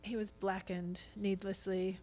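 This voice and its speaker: Woman in relaxed conversation, medium pitch. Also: measured pace. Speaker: podcast guest, stage actor. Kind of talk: casual conversational podcast chat.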